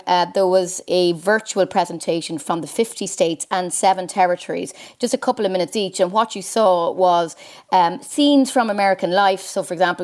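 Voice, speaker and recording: Woman, slightly low pitch, measured delivery, articulate, conversational news analysis, correspondent. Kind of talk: conversational political analysis in a broadcast interview.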